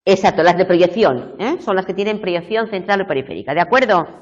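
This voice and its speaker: A woman's voice: on the low side, brisk. A middle-aged woman giving a university tutorial lecture, explaining step by step and often checking in with her students. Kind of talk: live video tutorial lecture. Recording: muffled lo-fi classroom recording.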